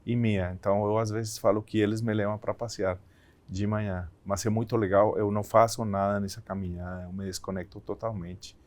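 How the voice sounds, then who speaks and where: A man's voice: fairly low pitch, flat delivery, a little fast, a little mellow. A man from Colombia, a Spanish speaker, talking conversationally as an interview guest and often restarting his phrases. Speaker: company CEO, interview guest.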